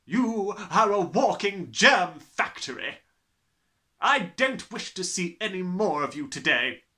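A man voicing a huge, bullying headmistress, bellowing with scornful, drawn-out menace in a storybook reading. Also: sits high, big pitch swings, sharp tone, voice pushed up, heavily acted. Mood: furious bellowing. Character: huge, bullying, furious tyrant headmistress, adult woman.

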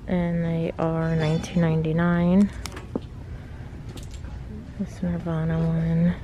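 A woman with a fairly low, quite flat voice talks casually as a shopping vlogger, thinking aloud as she goes. Her delivery is unhurried and informal, recorded on a handheld camera with faint store noise behind her. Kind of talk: casual shop-with-me commentary. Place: inside a large retail clothing store. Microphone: handheld camera mic, speaker behind camera.

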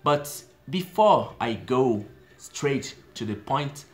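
A man in his thirties from Brazil, speaking with a Brazilian Portuguese accent. His delivery is chatty and expressive, peppered with fillers. He records himself on a phone in a small indoor room. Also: mid-range voice, slow pace. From São Paulo, Brazil. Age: 30s. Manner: chatty and expressive, gestures a lot, many "you know" fillers. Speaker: language learner vlogger. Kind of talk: casual spoken video diary. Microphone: phone camera at arm's length.

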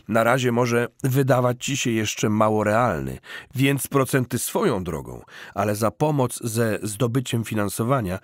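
A man acts out a pushy, smooth-talking hustler in an audiobook. He is emphatic and coaxing like a salesman, with lively swoops of pitch and a rough-edged voice, recorded very dry. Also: dry recording. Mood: pleased, coaxing. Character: smooth-talking eager hustler cousin, persuasive adult man.

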